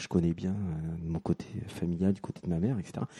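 A man speaks at a fairly quick pace in a dark, mellow tone. The sound is dry and close with no echo. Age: 50s. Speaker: theatre director. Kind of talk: panel discussion.

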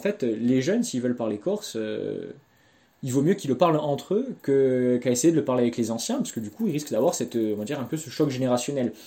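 A man talks at a very fast pace and medium pitch. His tone is dark and mellow, with lively intonation. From Corsica, Borgo. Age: 20s. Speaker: student. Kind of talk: testimony.

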